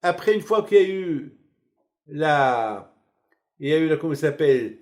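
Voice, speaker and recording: Animated, higher-voiced middle-aged rabbi. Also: male voice, normal speed. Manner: animated, colloquial storytelling. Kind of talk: sermon.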